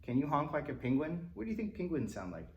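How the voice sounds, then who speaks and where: A man's voice: on the high side, big pitch swings, fast, a little mellow, lo-fi sound. A man reading picture books aloud to young children, with playful, chatty asides to his listeners. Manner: acts out animal sounds and exclamations. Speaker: library storytime reader. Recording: roomy echo with faint background noise.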